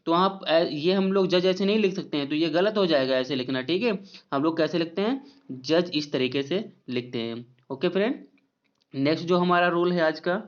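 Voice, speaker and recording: A man explains spelling rules in a high, smooth voice. He spells out letters slowly and keeps checking in with his viewers. The recording sounds dull and lo-fi. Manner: repeats "ठीक है" often, slow spelled-out letters. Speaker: English spelling teacher.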